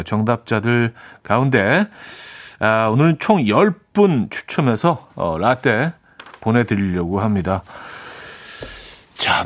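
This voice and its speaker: A man hosting a radio show, chatting with lots of laughter and reading out listener notices. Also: medium pitch. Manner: animated, laughs often, reads listener notices. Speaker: radio host.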